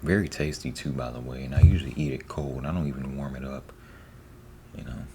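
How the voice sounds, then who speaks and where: A man giving a soft-spoken ASMR ramble, breathy and often near a whisper, informal and repeating himself, close to the microphone. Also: very deep voice, a little fast, soft background music. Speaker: ASMR host. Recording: faint background noise.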